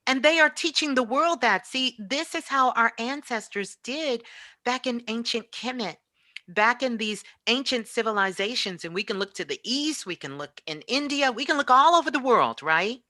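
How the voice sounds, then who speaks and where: Bright, high-voiced woman, emphatic. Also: lively intonation, moderate pace. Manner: emphatic, repetitive, preacher-like delivery. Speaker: guest spiritual teacher. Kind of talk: impassioned spiritual talk.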